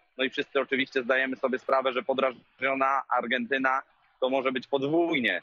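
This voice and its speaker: Fairly quick and monotone, a man with a Polish accent speaks at a medium pitch with flat intonation in a dry sound with no echo. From Poland. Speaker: sports reporter. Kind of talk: live report. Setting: video call from stadium. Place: hall. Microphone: earbuds.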